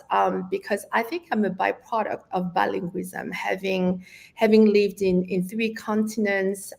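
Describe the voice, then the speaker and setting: Gravelly French-accented woman in her fifties. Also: medium pitch. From France. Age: 50s. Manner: reflective, with frequent restarts and fillers. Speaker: guest, language educator. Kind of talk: conversational interview.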